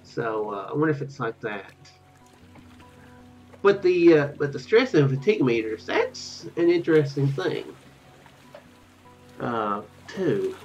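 A tired young man hosts a gaming video in a loose, hesitant ramble. His pitch moves around a lot as he muses to viewers. The recording is a little dull, with music playing faintly behind him. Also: big pitch swings, measured pace, long pauses, darkish tone. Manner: rambling, hesitant, tentative musing. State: tired, drowsy. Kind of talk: casual game commentary to viewers. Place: small room at home. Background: game music.

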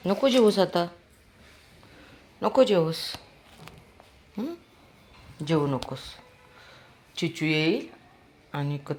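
A woman's voice: low-pitched, darkish tone. A woman filming her dog, coaxing and calling him in a singsong voice between casual remarks.

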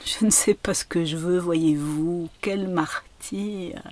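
An anxious mother answers quietly and uneasily in a lowish voice, slow and hesitant, as a woman reader puts her on. She sounds tense and withdrawn in a spoken-word reading. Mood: uneasy. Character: anxious, trembling young mother.

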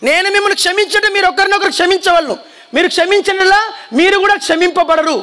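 A man preaching with fire to a congregation, his voice very high and sharp. He shouts his warnings and keeps pressing the listeners to answer and repeat after him. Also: fairly even intonation, quick pace. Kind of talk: fiery sermon. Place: church hall before a congregation.

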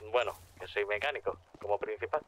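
A man's voice: lowish voice, brisk, fairly bright tone. A man chatting casually with other players during an online roleplay game. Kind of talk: casual roleplay chat while gaming.

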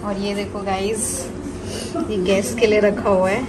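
A woman's voice: mid-range voice, little pitch movement, measured pace, very noisy. A young adult woman vlogging casually at home, chatting directly to her viewers. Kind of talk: casual family vlog chat.

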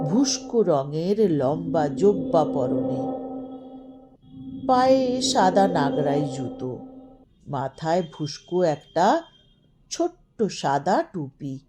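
Female audiobook narrator, lowish pitch, very slow, expressive and dramatic literary reading. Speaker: story narrator.

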